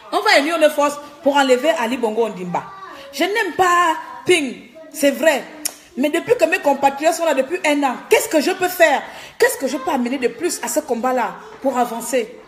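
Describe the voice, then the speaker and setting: A woman from Gabon delivering a fiery political monologue, scolding and repeating herself, laughing at times and dropping to a low confiding tone. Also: expressive, normal speed. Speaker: political activist vlogger.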